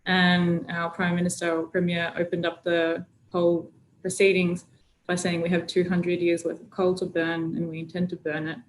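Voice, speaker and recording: Woman activist, lower voice, casual storyteller on a video call, light background hum. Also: moderate pace, rough recording. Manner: relaxed, chatty storytelling with frequent fillers. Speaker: climate activist guest.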